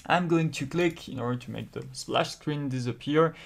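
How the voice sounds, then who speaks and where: A man with a French accent talking through a step-by-step software tutorial, explaining carefully with frequent pauses. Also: a little high, gravelly. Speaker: tutorial host.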